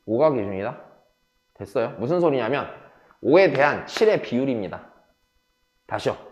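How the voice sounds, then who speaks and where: A man's voice: mid-range voice, big pitch swings, moderate pace, roomy sound, muffled recording. A man teaching a math class, switching between casual and polite speech and often checking whether students follow. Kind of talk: classroom lecture.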